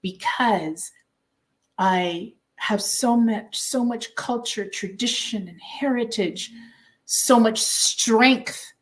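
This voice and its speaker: A woman from Canada, a guest on an interview, answering in an earnest, proud, measured way with pauses. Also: on the high side.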